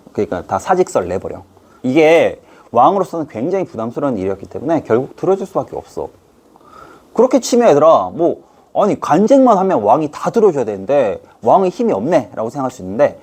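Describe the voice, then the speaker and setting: A middle-aged man teaches history to students in a playful, chatty way. His voice is a bit husky, and his pitch rises and falls with lively energy. He keeps slipping into short put-on voices to act out scenes. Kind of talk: lively online history lesson.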